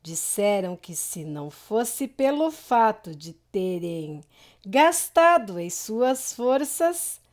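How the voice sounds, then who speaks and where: A woman narrating a gothic novel in an expressive, dramatic storytelling manner. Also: fairly high pitch. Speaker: audiobook reader.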